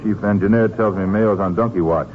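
Male actor as merchant captain, deep voice, cooperative, matter-of-fact, tinny vintage radio drama. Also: steady tone, brisk, a little hiss or hum, natural voice. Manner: plainspoken, obliging. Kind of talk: 1950s radio drama acting. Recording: tinny, narrow old radio recording.

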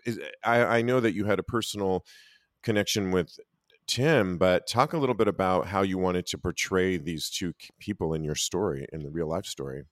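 Deep-voiced male interviewer, dry sound. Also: normal speed, dry recording. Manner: warm, affirming, reads statistics aloud, some stumbles. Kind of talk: interview questions.

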